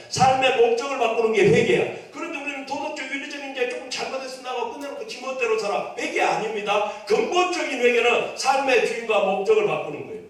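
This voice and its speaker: A man with a Jeolla Korean accent preaches an emphatic sermon in a very high voice. He repeats his key points and draws amens from the congregation. His voice comes from well away from the mic and rings through a very echoey church hall. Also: fairly bright tone, far from the mic. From Jeolla, South Korea. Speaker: pastor. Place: church sanctuary.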